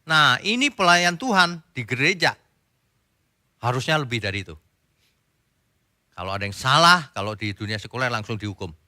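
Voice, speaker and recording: A man's voice: mid-range voice, animated, moderate pace, long pauses, bright, forceful tone, no room sound, clean studio sound. A male pastor preaching a sermon in a direct, conversational way, often acting out little dialogues.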